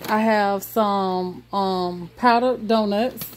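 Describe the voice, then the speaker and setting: A woman vlogger, walking through her groceries in a home kitchen and listing items slowly, with many ums and pauses. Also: medium pitch, fairly even intonation, a little hiss or hum. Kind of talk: casual grocery haul walkthrough.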